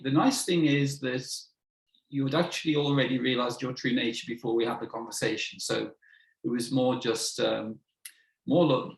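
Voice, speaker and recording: A man hosting a conversational interview over a video call, speaking gently and haltingly with many fillers. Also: medium pitch, creaky, roomy sound, rough recording. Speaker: host.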